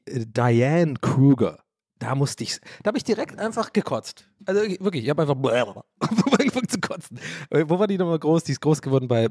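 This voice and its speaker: A man from Ireland rambles through a casual podcast monologue, cracking jokes at his own expense and swearing freely. His voice sits at an ordinary middle pitch. The recording is dry and close. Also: dark tone, no room sound. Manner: rambling, joking, self-mocking, swears casually. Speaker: podcast host.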